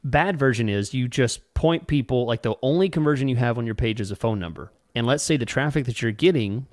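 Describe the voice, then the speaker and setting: Mid-pitched man, dry close-miked sound. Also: brisk, dry recording. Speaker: podcast co-host. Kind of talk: conversational explanation with examples. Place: home room, indoors. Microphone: podcast mic on boom arm, close.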